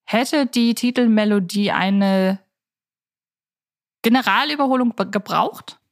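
A woman's voice: a little high, unhurried. A woman co-hosting a podcast in casual conversation, phrasing things in a wordy, slightly formal way with hesitations. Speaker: podcast co-host.

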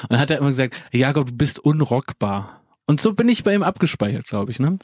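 A man's voice: mid-range voice, sing-song, fast, a little mellow, no echo. A man co-hosting a casual talk, joking about himself with dry humor. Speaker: podcast co-host. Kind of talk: casual chat.

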